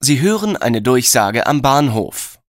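A man giving scripted test instructions in a neutral, measured manner. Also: mid-range voice, big pitch swings, dry recording, clean studio sound. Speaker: exam narrator.

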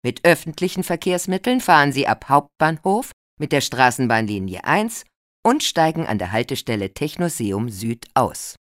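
Low female voice, lots of melody, actress as radio presenter reading event tips, dry studio sound. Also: sing-song, moderate pace, no room sound. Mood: informative. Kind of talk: scripted radio event announcement.

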